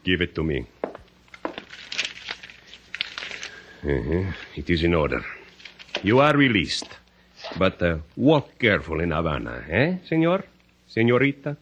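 An actor in a 1950s radio drama playing an urbane, sly Cuban police chief, courtly and formal, with a Cuban Spanish accent and a husky voice. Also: male voice, sits low, wildly swooping pitch, normal speed, fairly bright tone, dull audio, slight background noise, full character voice. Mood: grudging, warning. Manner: courtly, formal, overly polite.

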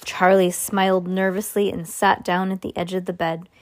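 A woman hosting a podcast, reading a children's book aloud in a relaxed way with small slips. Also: fairly low pitch, normal speed.

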